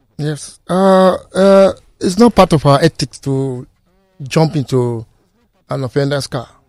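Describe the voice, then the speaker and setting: Speaking with a Nigerian accent, a man with a fairly high voice moves at a fairly slow pace with lively intonation and long, frequent pauses, the sound dry and close, with no echo. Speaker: Lagos state official.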